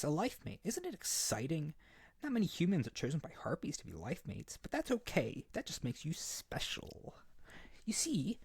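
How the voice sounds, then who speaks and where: A man's voice: fairly high pitch, darkish tone, breathy edge, no room sound, full character voice. A man voicing an eager, naive young male harpy in an ASMR roleplay, chattering earnestly and nervously to the listener. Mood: excited, earnest. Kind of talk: ASMR roleplay audio drama.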